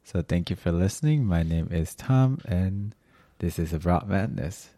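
A man with a slightly raspy voice hosting a podcast as a casual, slangy, sweary chat. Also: low-pitched, animated, unhurried, warm tone. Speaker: podcast host. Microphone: podcast microphone.

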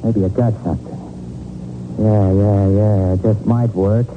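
An actor playing a hot-tempered gangster boss, snarling domineering orders in street slang in a 1940s radio drama. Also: male voice, fairly low pitch, steady tone, measured pace, music in the background, lightly acted. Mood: calculating, bossy. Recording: narrow, muffled 1940s radio recording.

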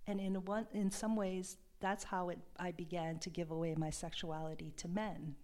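A woman from Hawaii, a love and sexuality coach, talking in a soft, hesitant and reflective way as an interview guest. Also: lowish voice, level tone, moderate pace. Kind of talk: podcast interview.

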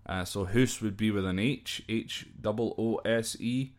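A Scottish man hosts a podcast in a lowish, unhurried voice. He's reading slang off a list and explaining it informally, off the cuff and somewhat hesitantly, occasionally spelling a word out.

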